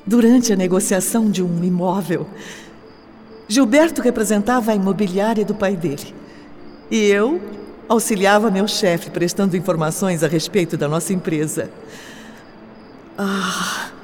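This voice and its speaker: A woman's voice: medium pitch, darkish tone, lightly acted. An actress voices a young orphaned woman in a radio drama, recalling a love in a dreamy, wistful tone. Her mid-range voice sits in a long reverb, with music playing underneath. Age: young adult.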